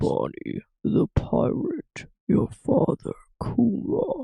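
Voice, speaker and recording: A man puts on a character voice with a menacing tone. He speaks very slowly. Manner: menacing, gravelly.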